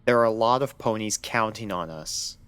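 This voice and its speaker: A man voicing a stern, impatient pony doctor who questions in a flat, clinical, insistent manner in an audio story. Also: on the low side, normal speed, smooth, no echo, pitched above the performer's own voice, natural voice. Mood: urgent, insistent. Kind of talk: dramatic audio story acting.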